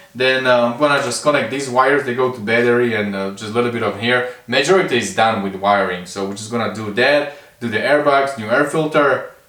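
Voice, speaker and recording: Over audible room echo, a man with a medium pitch speaks at a moderate pace with lively intonation. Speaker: dirt bike builder, YouTuber. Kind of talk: workshop tutorial vlog.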